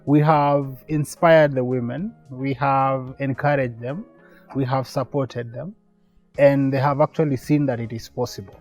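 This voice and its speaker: A man's voice: medium pitch, fairly even intonation, unhurried, darkish tone, faint music behind. A man explaining a project's work in a documentary interview. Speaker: project representative.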